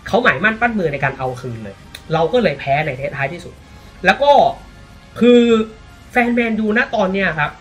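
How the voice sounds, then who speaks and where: A man from Thailand giving casual, animated football commentary, often exclaiming, with faint music behind him. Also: sits high, fairly quick.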